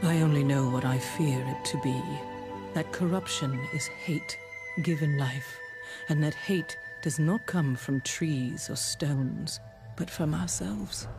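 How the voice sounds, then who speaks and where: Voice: medium pitch, music in the background. An actor playing an old, despairing shaman of an ancient builder race in a game, speaking solemnly and poetically. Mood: weary, despairing. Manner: solemn, slow, poetic, foreboding. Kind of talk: video game cutscene acting.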